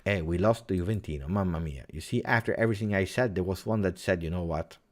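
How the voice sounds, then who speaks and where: An Italian-accented man deep into a late live football reaction stream, low voice, dramatically repeating himself to his viewers. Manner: theatrical, emotional, with repeated phrases and dramatic pauses. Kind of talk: casual live-stream chat.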